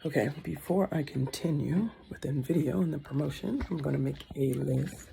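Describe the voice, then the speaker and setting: Raspy hoarse mom vlogging at home on her phone, kinda gravelly and warm, thinking out loud. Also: low voice, moderate pace, soft background music, poor audio. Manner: rambling, thinks aloud, self-correcting. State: hoarse from a sore throat. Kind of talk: casual talking-to-camera vlog. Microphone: phone on a tripod. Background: faint kids' show audio.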